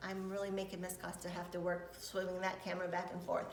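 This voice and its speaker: There's a woman's voice here. It carries audible room echo, with noticeable background noise all around. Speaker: teacher. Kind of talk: lesson for young children. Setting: filmed lesson. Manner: slow, deliberate.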